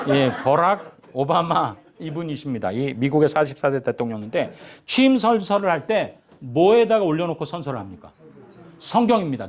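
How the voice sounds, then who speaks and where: A man in his fifties, a pastor giving a lively lecture in church, asking the audience questions and joking with them. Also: fairly high pitch. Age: 50s. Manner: animated, asks the audience questions and jokes with them. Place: church hall.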